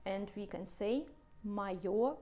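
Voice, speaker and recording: Very slow-speaking woman teaching Russian. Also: medium pitch, mellow. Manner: spells out and repeats words slowly for learners. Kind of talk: slow language lesson.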